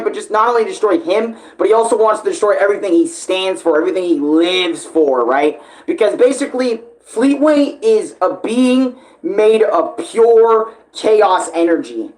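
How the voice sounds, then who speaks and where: An American streamer giving casual, rambling fan commentary in an emphatic, conversational way, with slang and swearing; the voice sits at a pitch between typical male and female ranges. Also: poor audio. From United States (Phoenix). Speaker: streamer and video creator.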